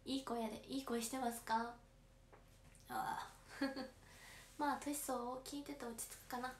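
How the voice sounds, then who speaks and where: A woman's voice: a little high, steady tone, moderate pace. Kansai teen girl reading fan comments on her stream, kinda echoey room, faint noise in the back. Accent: Kansai Japanese. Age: late teens. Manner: chatty, reads viewer comments aloud and answers them politely. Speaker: idol audition candidate livestreaming to fans. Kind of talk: casual livestream chat. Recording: roomy, faint background noise.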